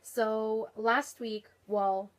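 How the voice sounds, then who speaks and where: A woman's voice: fairly high pitch, fairly even intonation, extremely slow. A young woman with a cold, sounding nasal and stuffed up, chatting casually to camera about makeup with lots of fillers. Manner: chatty, rambling, many fillers. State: sick, nasal and congested. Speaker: beauty vlogger.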